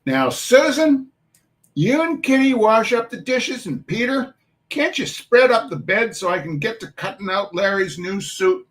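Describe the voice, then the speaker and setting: A man's voice: high voice, sing-song, a bit bright, voice pushed up, exaggerated voice. A man voicing a bustling, bossy mother of a big poor family, with an attempted urban Irish dialect. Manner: brisk, ordering people about. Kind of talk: storybook reading.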